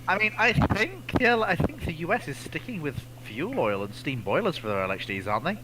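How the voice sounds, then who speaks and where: A man's voice: a little high, big pitch swings, a little fast, very noisy. A man chatting casually as a co-host in a live discussion.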